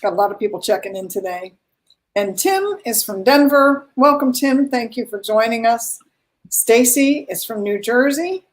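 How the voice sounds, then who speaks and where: A woman's voice: a little high, lively intonation, moderate pace. A woman hosting a live online event, chatting casually and greeting viewers.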